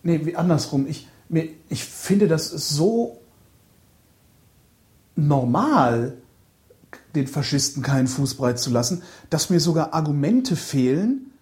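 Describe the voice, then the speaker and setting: A man's voice: a little high, big pitch swings, slow pace, long pauses, a little mellow. A man hosting a casual podcast conversation, chiming in with jokes and short remarks. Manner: joking, chatty interjections.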